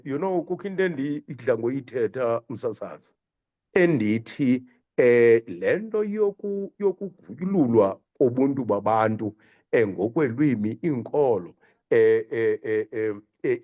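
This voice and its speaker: A man with a Xhosa accent giving earnest commentary as a radio guest, halting often as he searches for words. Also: medium pitch, a little mellow. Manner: halting, with many repeated hesitations. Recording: dull, lo-fi line.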